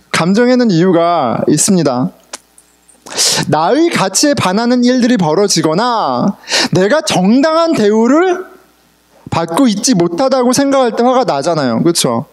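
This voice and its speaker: Middle-aged male pastor, lively sermon delivery, chatty with the congregation, drops in English words. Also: high voice. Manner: conversational, asks the congregation questions, mixes in English words. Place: church sanctuary.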